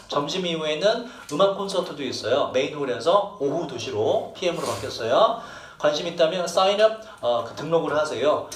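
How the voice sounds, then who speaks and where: A man teaching an English listening lesson who explains phrases in Korean and repeats key words aloud. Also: on the high side. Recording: echoey room, distant mic, faint hiss.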